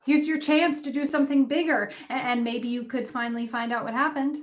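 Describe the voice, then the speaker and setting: A woman acting as a supportive editor friend in a play reading. Her voice is high-pitched. She talks directly and encouragingly, with natural conversational phrasing. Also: fairly even intonation, brisk, muffled recording, lightly acted. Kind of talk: virtual staged play reading, naturalistic dialogue.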